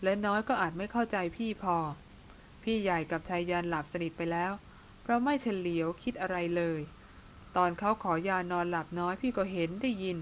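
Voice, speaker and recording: A woman's voice: fairly low pitch, a little fast, slight background noise, natural voice. A woman reading as a blunt, teasing big brother. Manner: blunt, teasing, plain-spoken. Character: teasing bearded older brother, blunt but tender man.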